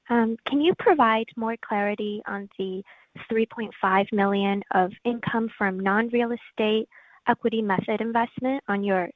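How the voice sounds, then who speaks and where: Woman, analyst, polite, measured, phone-line audio, dry. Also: a little high, no echo. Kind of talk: asking questions on a call.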